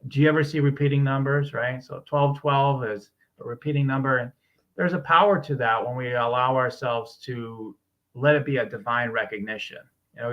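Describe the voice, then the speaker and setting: A man's voice: medium pitch, muffled recording. A middle-aged man, a business coach and guest, talking earnestly and upbeat about spiritual ideas. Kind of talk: casual interview talk.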